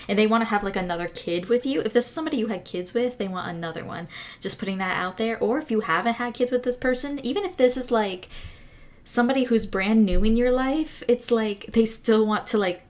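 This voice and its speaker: A woman talks her viewers through a tarot spread in a loose, chatty way, full of fillers and restarts. Her voice is a little hoarse, since she has been losing it over the past few days. Her pitch sits in a middle range for a woman. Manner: rambling, many fillers and restarts. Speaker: tarot reader. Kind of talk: casual pick-a-card tarot reading.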